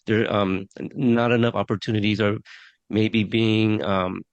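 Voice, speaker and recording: Man, podcast host, low voice, dry dull sound, rambling with lots of fillers. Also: level tone, a little slow, no room sound. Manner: rambling, many fillers and restarts. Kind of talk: casual interview chat.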